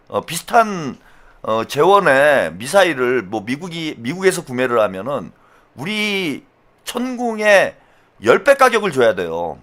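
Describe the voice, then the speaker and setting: Speaking at a very slow pace, a man with a high pitch shows very wide pitch swings and big swings in loudness. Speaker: political commentary streamer. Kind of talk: live stream commentary. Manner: casual, conversational with many fillers.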